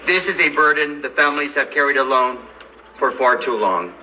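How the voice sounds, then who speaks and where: A man from Los Angeles, a lawyer and advocate, giving a measured, earnest speech at a press event. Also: mid-range voice, expressive, pushed and bright, highs cut off. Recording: distant mic with light background noise.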